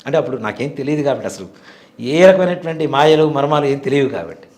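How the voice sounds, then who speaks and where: Fast-talking man, earnest devout storyteller. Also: mid-range voice, expressive, a little mellow. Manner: earnest, devout, vivid retelling. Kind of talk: interview storytelling.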